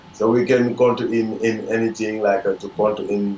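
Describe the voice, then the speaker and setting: A man's fairly low voice, delivered with fairly even intonation, comes through noticeable background noise. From Senegal. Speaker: musician. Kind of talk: casual interview chat. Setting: video call. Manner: halting, searching for words.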